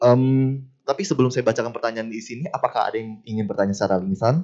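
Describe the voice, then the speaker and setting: Speaking at a very fast pace with a dark, mellow tone, a man shows ordinary pitch variation against a quiet background. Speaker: MC; Q&A moderator at temple service. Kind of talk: moderating Q&A. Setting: temple with live audience. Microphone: handheld.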